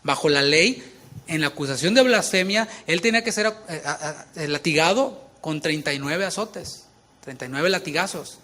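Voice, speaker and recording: Pastor, sermon delivery, fairly high voice, emphatic with chatty asides. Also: male voice, moderate pace, bright, forceful tone. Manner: emphatic preaching with casual conversational asides.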